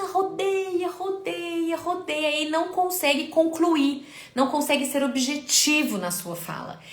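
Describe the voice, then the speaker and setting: With noticeable background noise and audible room echo, a woman speaks very slowly at a high pitch. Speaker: public speaking coach. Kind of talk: live stream lecture. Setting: live stream.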